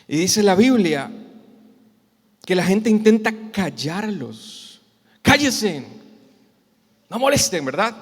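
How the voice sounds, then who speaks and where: A man with a Costa Rican Spanish accent preaches to a congregation, asking them questions and acting out the cries of the people in his story. His voice sits high for a man. The church hall gives it a long, ringing reverb. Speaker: pastor. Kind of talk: sermon.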